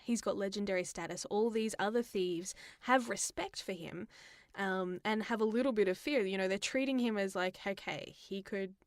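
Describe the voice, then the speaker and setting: A woman's voice: medium pitch, moderate pace, dry recording, studio quality. A woman chatting casually as a podcast co-host, informal and opinionated in the way she talks. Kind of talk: casual chat about games and films.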